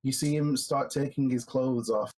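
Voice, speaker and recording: A man playing a tabletop game, describing what his character does in a halting, unhurried way. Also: medium pitch, steady tone, darkish tone, low-quality recording. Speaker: player voicing Red.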